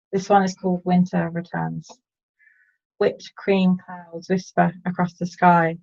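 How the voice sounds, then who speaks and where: Woman, poet, calm reflective reading, very flat delivery, dull lo-fi call audio. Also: fairly low pitch, vocal fry. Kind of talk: poetry reading. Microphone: online video call.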